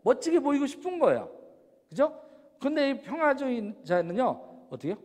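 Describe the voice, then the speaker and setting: A man giving an animated lecture, firing off rhetorical questions and acting out examples. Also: very high voice, moderate pace. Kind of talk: lecture on personality types. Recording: long hall reverb.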